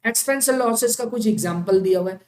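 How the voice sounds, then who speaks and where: A woman teaching an accounting class in speech, often asking the class check questions and slowing down to spell out key terms. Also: on the high side, a little mellow. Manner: stretches out key terms slowly, as if for dictation. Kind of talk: classroom lecture. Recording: echoey classroom with faint noise.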